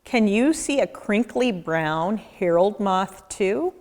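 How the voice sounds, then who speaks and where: A woman narrates a children's nature book at an unhurried pace. Her mid-pitched voice rises and falls animatedly, with deliberate pauses for young listeners. The room adds a long, echoing reverb. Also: expressive, a little mellow. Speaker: nature educator reading a children's book aloud. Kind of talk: children's read-aloud narration.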